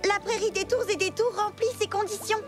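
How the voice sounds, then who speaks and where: A clever, practical cartoon girl. She speaks precisely in a very high, matter-of-fact voice, with background music underneath. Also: steady tone, brisk. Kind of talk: French cartoon dubbing.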